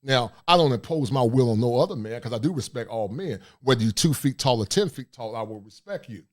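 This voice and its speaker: A middle-aged man with a deep voice, hosting a livestream talk show, speaking forcefully and reading shout-outs from the chat. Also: animated, brisk. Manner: forceful, preachy, reads chat aloud. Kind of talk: casual livestream monologue.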